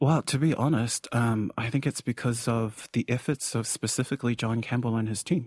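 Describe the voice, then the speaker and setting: Speaking at a moderate pace with hardly any pauses, a man with a medium pitch and fairly even intonation sounds somewhat breathy, in a dry, close sound with no echo on a very clean recording with a silent background. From New Zealand, South Auckland (Samoan community). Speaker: university lecturer. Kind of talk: interview. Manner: hesitant, many fillers.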